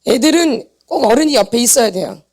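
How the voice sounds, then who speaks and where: A woman with a high voice preaches at a church seminar. She repeats each point with force and throws short questions back to the congregation, then answers them herself. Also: lively intonation, brisk, a little mellow. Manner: emphatic, repeats points and quizzes the audience for answers. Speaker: pastor's wife teaching a healing seminar. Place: church meeting hall.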